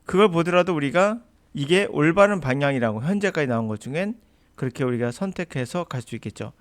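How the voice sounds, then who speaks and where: Animated, emphatic Korean English teacher man. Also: on the high side, a little fast. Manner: emphatic, argumentative. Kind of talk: lecture.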